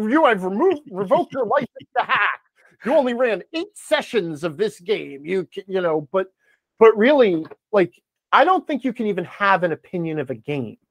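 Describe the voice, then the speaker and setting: A man with a slightly high voice talks as a podcast guest, laying out firm opinions in a conversational way. He is blunt and emphatic, and the sound is close and dry. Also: dry recording. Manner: emphatic, blunt, acts out imagined remarks. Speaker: podcast guest, game blogger and game master.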